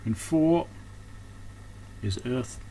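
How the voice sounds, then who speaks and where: A man's voice: medium pitch, lively intonation, extremely slow, warm tone. A man giving casual, unscripted hands-on repair commentary, thinking aloud as he works. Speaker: host of an electronics repair channel. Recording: clearly noisy background.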